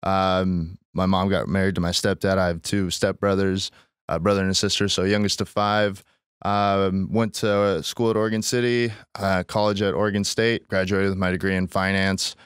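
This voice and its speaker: An American man in his twenties speaks casually as a podcast guest on a close mic, telling his story in a low, flat, smooth voice at normal speed. Born in Estonia, he was raised in the US Pacific Northwest from age six. The recording is dry.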